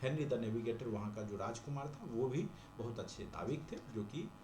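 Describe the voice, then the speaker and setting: A man's voice: mid-range voice, normal speed, a little mellow. A man with an Indian accent teaching an exam-prep class in question-and-answer style, repeating points for emphasis. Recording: echoey room with noticeable background noise.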